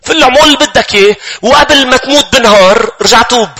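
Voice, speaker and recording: A man's voice: very high voice, very fast, noisy background, voice pushed up. A man voicing a wheedling devil who tempts a believer. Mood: coaxing. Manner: wheedling, persuasive.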